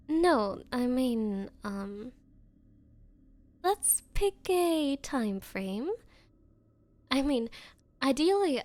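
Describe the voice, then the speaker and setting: A woman playing a nervous, obsessive young woman on a date in an anime-style ASMR roleplay, speaking haltingly and flustered. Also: high-pitched, darkish tone. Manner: halting, flustered, breathy hesitations. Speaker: roleplay voice performer.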